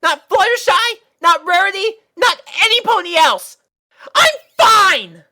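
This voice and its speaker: A woman's voice: very high-pitched, expressive, unhurried, pushed and bright, pitched above the performer's own voice, heavily acted. A woman voicing an anxious, lovesick young unicorn filly in a story reading, plaintive and easily flustered. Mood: snapping, irritated. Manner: plaintive, flustered, hesitant with stammers.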